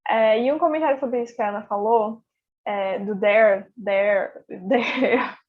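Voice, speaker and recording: A young woman teaching an English class, speaking in a relaxed, encouraging way with lots of fillers. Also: a little high, unhurried. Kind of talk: casual online class explanation. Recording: dull lo-fi audio.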